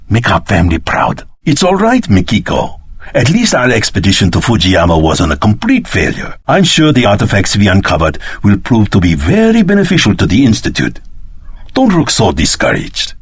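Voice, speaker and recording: An actor playing a solemn, paternal elder in a video game, with a husky, measured and formal delivery. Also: male voice, medium pitch, no echo, heavily acted. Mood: gently encouraging. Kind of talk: scripted video game voice acting.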